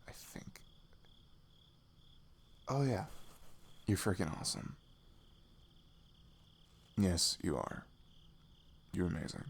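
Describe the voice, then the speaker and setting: A man's voice: low voice, big pitch swings, slow, vocal fry, long pauses, slightly rough, exaggerated voice. A young American man playing a goofy, affectionate best friend in an intimate ASMR roleplay, chatting in a rambling, self-deprecating way. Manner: rambling, giggly, self-deprecating, drops into murmurs.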